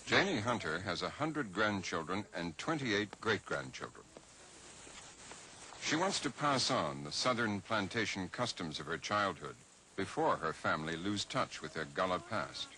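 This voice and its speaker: A man's voice: sits low, very animated, moderate pace, bright, forceful tone, low-quality recording. A man reading scripted documentary narration as the narrator. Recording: old documentary tape, heavy background noise.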